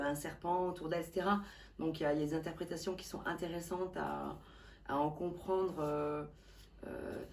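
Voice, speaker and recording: A woman hosting a casual vlog about tarot decks, enthusiastic and hesitant with many fillers, reading card messages calmly. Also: on the low side. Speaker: tarot reader and channel host. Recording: voice from a distance.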